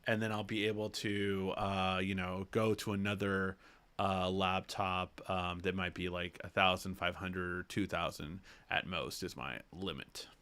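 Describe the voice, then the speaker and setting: A man's voice: deep voice, level tone, measured pace, sharp tone, smooth. A young man hosting a casual tech livestream, reading viewer questions aloud and answering them with lots of fillers and restarts, his nose a little stuffy. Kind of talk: casual live Q&A chat.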